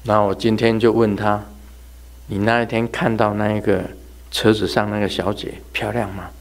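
A religious teacher turns his sermon into humorous ghost anecdotes, told chattily with laughter and imitated sounds. He speaks at normal speed with a fairly low voice and a flat delivery.

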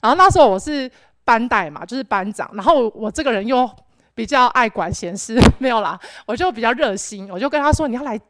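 A woman's voice: fairly high pitch, expressive, a little fast, fairly bright tone, no echo. A young woman gives an earnest personal testimony at church, rambling with restarts and fillers. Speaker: church member giving testimony.

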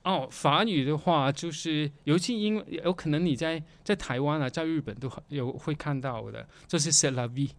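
Man speaking halting. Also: on the high side. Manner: halting, repetitive, mixing English words into Mandarin. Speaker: guest. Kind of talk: casual conversational interview.

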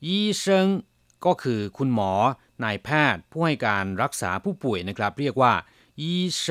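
A man teaching a language lesson to listeners, carefully saying each word slowly and then explaining it. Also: mid-range voice, dry recording, studio quality. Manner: slow, careful word-by-word pronunciation. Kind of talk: radio-style language lesson.

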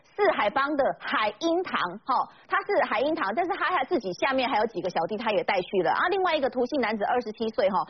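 A woman's voice: a little high, expressive, quick pace, hardly any pauses, a little hiss or hum. A woman hosting a political talk show, chatty and full of tag questions. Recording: slightly dull broadcast audio.

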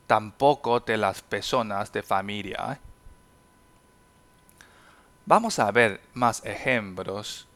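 Man, native Chinese speaker, podcast language teacher; very slow, careful, patient delivery. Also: fairly low pitch, animated, fairly bright tone. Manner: slow, careful enunciation of example sentences.

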